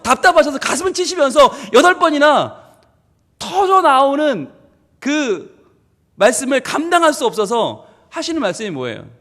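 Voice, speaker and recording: High-voiced, lively male pastor preaching. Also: moderate pace, long reverb tail. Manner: animated, playful preaching with laughs and acted-out quotes. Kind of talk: sermon. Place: church sanctuary.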